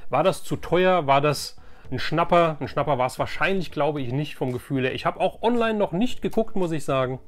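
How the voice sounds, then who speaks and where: A man's voice: a little high, expressive, normal speed. A middle-aged man hosting a casual, chatty toy-collecting vlog in a rambling, enthusiastic way. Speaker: host of a vintage toy collecting channel. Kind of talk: casual chatty flea market haul vlog. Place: room at home.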